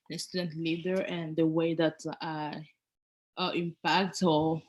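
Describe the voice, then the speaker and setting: A woman's voice: fairly low pitch, a little hiss or hum. A young woman from the Democratic Republic of the Congo, speaking as a student ambassador on a panel, stopping now and then to find her English words. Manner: searches for English words, restarts phrases. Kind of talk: panel self-introduction.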